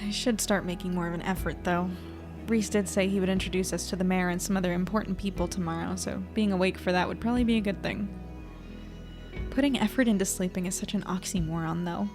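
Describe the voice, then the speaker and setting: A woman's voice: lowish voice, steady tone, fast, music in the background, lightly acted. A woman playing an anxious, self-mocking young reporter in an audio drama, talking in a wry, rambling, hesitant way. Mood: worried, wry. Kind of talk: audio drama acting, intimate diary monologue.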